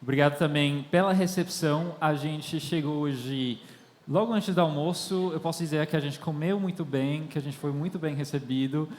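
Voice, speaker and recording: This guest preacher, a young missionary with a high, slightly mellow voice, tells stories in a sermon at a moderate pace. France-born and raised by Irish parents, he isn't a native Portuguese speaker, and his words ring with long reverb through a big church hall as he addresses the audience.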